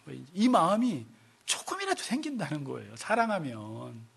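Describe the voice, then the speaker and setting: 교회에서 설교하는 남성 목사로, 인용하는 말투를 연기하듯 흉내 내며 생동감 있게 말한다. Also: male voice, fairly high pitch, normal speed, gravelly, slightly rough. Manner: animated preaching, acts out quoted voices. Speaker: pastor. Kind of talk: sermon. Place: church sanctuary.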